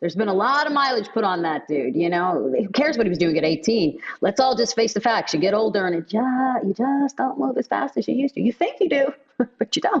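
A fairly quick woman's voice, fairly high in pitch with vocal fry and very wide pitch swings. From Pittsburgh. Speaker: sports broadcaster. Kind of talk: radio sports talk.

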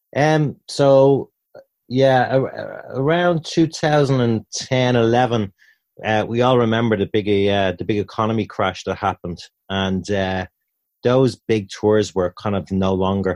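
A man with a Dublin accent at a very slow pace, medium pitch and ordinary pitch variation, dry, close sound with no echo and a quiet background. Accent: Dublin Irish. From Ireland, Dublin city centre. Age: 30s. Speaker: professional wrestler and wrestling promoter. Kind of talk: casual interview chat. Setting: remote call.

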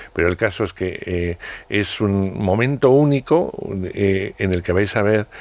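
A man speaks with ordinary pitch variation. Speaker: radio film critic. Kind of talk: radio interview.

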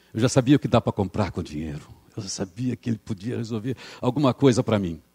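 The man's fairly low, dark, mellow voice is somewhat breathy, racing at a very fast pace with lively intonation in a dry, close sound with no echo. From Brazil, São Paulo east zone. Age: 60s. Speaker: broadcaster. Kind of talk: inspirational talk to an audience.

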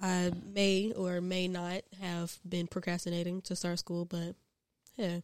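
Dry and close with no echo, this recording has a woman with an American accent. Her pitch is fairly low and her intonation monotone and flat. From Columbia, South Carolina. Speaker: junior army soldier. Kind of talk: casual interview.

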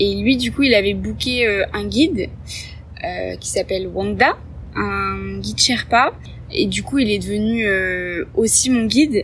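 Speech comes at a very slow pace with audible room echo. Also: woman. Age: 20s. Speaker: traveller telling her story. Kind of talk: personal travel narrative. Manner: hesitant with many fillers.

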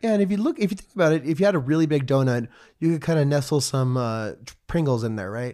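A man talks at a very fast pace with a fairly high pitch, a dark, mellow tone and lively intonation. His loudness swings widely, on a very clean recording with a silent background. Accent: American. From US Southwest, Albuquerque, New Mexico. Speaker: math podcast host. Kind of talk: casual educational chat; scripted narration. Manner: halting, many fillers.

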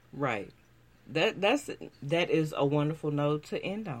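The speaker has an animated tone. The pace is fairly slow. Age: 40s. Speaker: podcast host. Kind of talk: casual interview; show outro.

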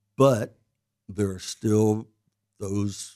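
Very slow delivery with an American accent. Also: man. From Ohio. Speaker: country songwriter. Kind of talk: interview storytelling.

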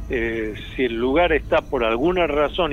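Ordinary pitch variation shapes this man's speech. Noticeable background noise is present. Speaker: esoteric expert. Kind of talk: radio interview.

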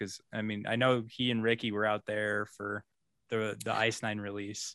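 Against a quiet background, a man with an American accent and a fairly low pitch talks at a moderate pace in a bright, sharp tone, the sound dry and close with no echo. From Colorado. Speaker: podcast host and touring musician. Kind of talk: casual chat.

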